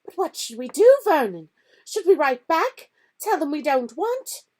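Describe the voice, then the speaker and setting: A woman's voice: very high-pitched, sing-song, a little slow, warm tone, voice pushed up, full character voice. A woman voicing a nervous, fussy aunt who speaks in a quivering voice. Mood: anxious. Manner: quivering, anxious.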